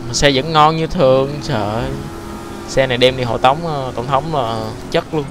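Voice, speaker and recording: Một người đàn ông Việt Nam bình luận khi chơi game, nói bông đùa, hay lặp từ liên tục khi phấn khích. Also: male voice, medium pitch, background noise. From Vietnam. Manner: excitable, repeats words rapidly, joking. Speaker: gaming YouTuber. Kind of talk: casual gameplay commentary.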